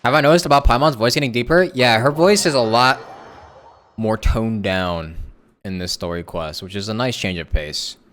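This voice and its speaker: A man's voice: fairly low pitch, moderate pace, a bit bright. A man streaming a video game and giving casual, off-the-cuff reaction commentary. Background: game music.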